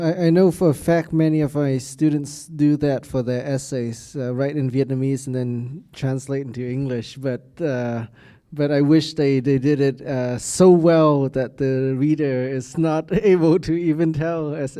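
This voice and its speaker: A man hosting a university speaker series, effusive in his thanks and halting, with many fillers and stammers. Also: medium pitch, steady tone, mellow, smooth. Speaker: university host.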